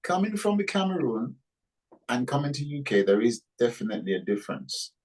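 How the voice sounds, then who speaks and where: A woman interviewer with a very low, husky voice asks questions in a halting way. She sits away from the microphone, so she sounds distant. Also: big pitch swings, a little mellow. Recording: distant from the mic.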